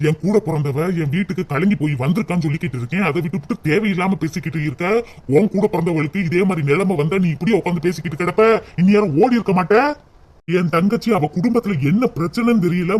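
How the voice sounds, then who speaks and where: A man's voice: high-pitched, a little mellow. A man voicing a cartoon husband who pleads and reproaches his wife on his sister's behalf. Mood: reproachful. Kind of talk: cartoon voice acting.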